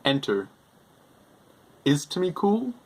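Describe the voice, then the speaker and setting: A young man presenting a software tutorial, dictating short phrases and punctuation commands aloud to voice typing. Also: a little high, huge pitch swings, takes it slowly, slightly rough. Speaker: tutorial host.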